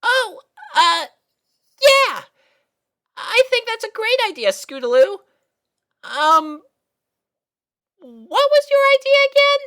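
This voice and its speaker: A woman's voice: very high-pitched, sing-song, takes it slowly, pauses often, a bit bright, pitched above the performer's own voice, exaggerated voice. A woman voicing an anxious, lovesick young unicorn filly in a story reading, plaintive and easily flustered. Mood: startled, flustered. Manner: plaintive, flustered, hesitant with stammers.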